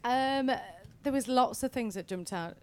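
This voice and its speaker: A woman being interviewed who speaks in a relaxed way and laughs easily. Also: high-pitched, measured pace. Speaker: actress guest. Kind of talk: casual interview chat.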